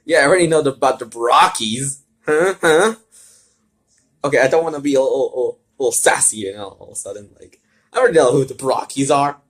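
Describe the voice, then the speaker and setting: A man's voice: mid-range voice, fast talker, a bit bright. A man reading fan fiction aloud as an amateur, stumbling over words, repeating and correcting himself and adding his own asides.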